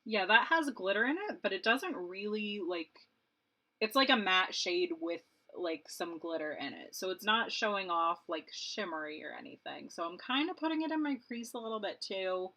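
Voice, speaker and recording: A woman's voice: medium pitch, lively intonation, normal speed, pushed and bright. A woman in her late twenties, a beauty vlogger chatting casually and rambling while she does her makeup, laughing often. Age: 20s.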